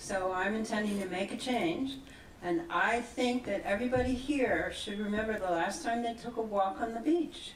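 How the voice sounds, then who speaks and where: A woman's fairly high-pitched voice with lively intonation, noticeable background noise and audible room echo. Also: moderate pace. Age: 70s. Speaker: resident speaking at town meeting. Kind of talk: public comment at town meeting.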